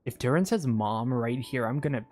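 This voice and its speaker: Casual excitable game streamer; chatty commentary, steady middle pitch. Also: brisk. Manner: excitable, chatty, reads game text aloud.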